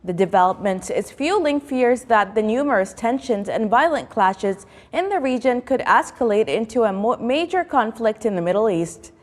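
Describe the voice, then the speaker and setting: A woman's voice: fairly high pitch, animated, normal speed, few pauses, long reverb tail. A woman news presenter reading a formal, scripted news bulletin.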